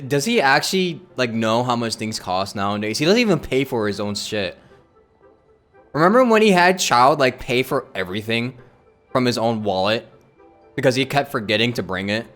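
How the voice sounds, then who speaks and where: A man's voice: medium pitch, lively intonation, moderate pace, fairly bright tone. A man streaming a game with casual, amused and rambling live reaction commentary. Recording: game music behind the voice.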